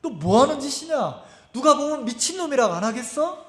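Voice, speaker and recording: A pastor voicing his own inner voice, a hushed, chiding man's voice objecting to what he is doing. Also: very high voice, sing-song, brisk, roomy sound, pitched above the performer's own voice.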